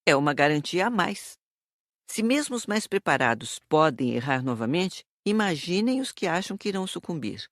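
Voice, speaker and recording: A performer playing a patient, moralizing spirit teacher, explaining in a measured, didactic way for an audiobook. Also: mid-range voice, big pitch swings, no room sound, clean studio sound. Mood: calm, instructive. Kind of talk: audiobook character reading.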